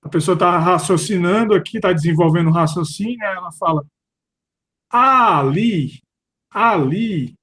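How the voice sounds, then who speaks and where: Brazilian man, slightly high voice, unsure questioner who restarts words. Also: fast, few pauses. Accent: Brazilian Portuguese. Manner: questioning, uncertain, restarts often. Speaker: philosophy study group participant. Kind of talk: casual discussion.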